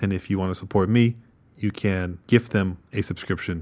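Recorded very cleanly against a silent background, an unremarkable speaking voice comes through with an American accent. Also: man. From California, US. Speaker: podcast host, carpenter. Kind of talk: podcast monologue intro; interview conversation.

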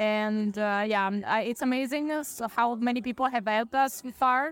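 Someone with an Italian accent talks at a moderate pace with fairly even intonation. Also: woman. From Italy. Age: 30s. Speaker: political candidate. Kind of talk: interview. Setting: at a party event.

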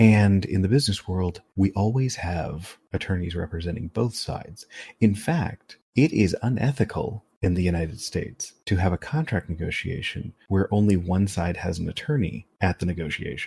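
A man with an American accent speaks at a fairly low pitch, with a dark, mellow tone that is somewhat breathy. His intonation is lively, and he keeps a moderate pace with hardly any pauses. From Texas. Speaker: game writer and video essayist, former attorney. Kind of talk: casual chat.

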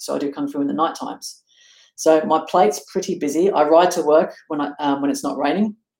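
Fairly quick in pace, a man talks with an Australian accent and fairly even intonation. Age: 40s. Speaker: design and branding agency owner. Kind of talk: interview.

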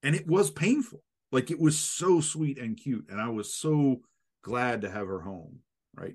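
With vocal fry and very wide pitch swings, a man talks at a fairly slow pace in a fairly high voice. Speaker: theologian. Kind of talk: theological discussion.

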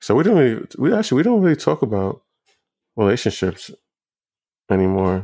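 A man with a New York accent speaks at a moderate pace and a fairly low pitch. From Brooklyn, New York (Canarsie). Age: 30s. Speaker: host's partner, father. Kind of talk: casual chat. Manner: halting.

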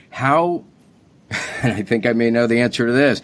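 This man has an ordinary speaking voice, with medium pitch and ordinary pitch variation. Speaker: podcast host. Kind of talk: interview.

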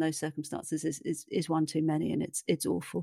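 Talking at a fairly quick pace, a woman with very deep, low pitch and a southern English accent sounds dry and close, with no echo. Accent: southern English (London area). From southwest London suburbs, England. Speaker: investigative journalist and author. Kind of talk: interview conversation.

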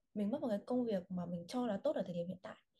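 Somewhat breathy with a dark, mellow tone, a woman speaks at a fairly high pitch with lively intonation. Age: 20s. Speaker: UX writer. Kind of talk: casual interview chat.

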